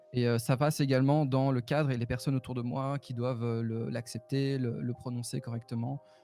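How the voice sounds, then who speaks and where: Over noticeable background noise, a man with a medium pitch talks at a fairly quick pace with fairly even intonation and hardly any pauses. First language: not French (fourth language) (speaking French). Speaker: role-playing game YouTuber and Twitch streamer. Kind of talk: casual chat. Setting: live stream talk show.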